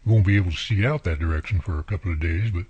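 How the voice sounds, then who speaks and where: A man's voice: sits low, rapid-fire, darkish tone, slightly rough, no room sound. An actor playing a friendly, plainspoken country handyman neighbor with an American country accent, talking folksily in a radio drama. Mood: neighborly. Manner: folksy, colloquial, drawling turns of phrase. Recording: muffled, lo-fi audio.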